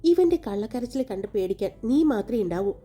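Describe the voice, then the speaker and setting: A fond, gently scolding grandmother figure read by a woman narrator in a storybook, her voice warm and mellow, with faint music underneath. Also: medium pitch, expressive, fairly quick, breathy edge. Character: affectionate, teasing older mother-in-law.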